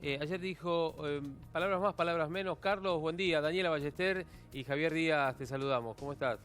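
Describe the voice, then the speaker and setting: A male TV news host, asking questions haltingly with many fillers. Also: on the high side, fairly bright tone, clean tone, faint music behind. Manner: hesitant, filler-laden questions. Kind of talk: broadcast interview.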